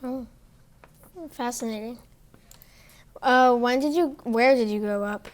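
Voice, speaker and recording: A woman's voice: on the high side, slow pace. A woman interviewing someone, asking her questions hesitantly with uhs and likes.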